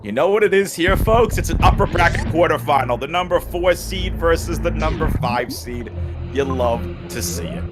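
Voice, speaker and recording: A man's voice: fairly high pitch, animated, moderate pace, music in the background. A man with a Boston accent giving playful, jokey play-by-play commentary on a live speedrun tournament.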